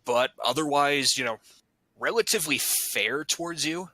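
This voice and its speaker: Bright-voiced man running a tabletop game. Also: fairly high pitch, normal speed, no echo, rough recording. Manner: casual, joking, swears freely. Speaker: game master.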